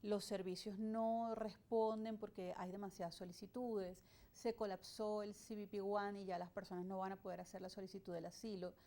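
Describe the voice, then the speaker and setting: A mid-pitched woman from Venezuela speaks as an immigration lawyer in a studio interview. She explains in a measured way, often pausing on fillers while she thinks through each point. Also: little pitch movement, mellow. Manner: measured, explanatory, with frequent hesitations. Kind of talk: interview answers.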